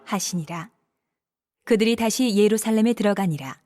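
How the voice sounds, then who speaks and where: A woman narrating scripture from a script in a measured, formal manner. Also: medium pitch, warm tone. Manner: measured, formal read delivery.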